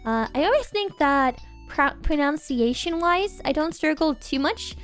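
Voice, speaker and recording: Young female streamer, high and bright voice, chatty and giggly, close-miked, faint music behind. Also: animated, a little slow. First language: Norwegian. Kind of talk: casual livestream chat.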